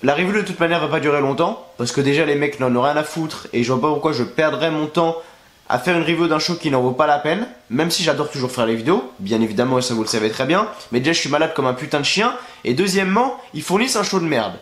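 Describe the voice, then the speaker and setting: A man's voice: a little high, animated, quick pace, a bit bright, reverberant. A young man with the flu, congested and worn out, ranting crudely and sarcastically to the camera in a wrestling review. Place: at home, in a bedroom. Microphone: camera facing him.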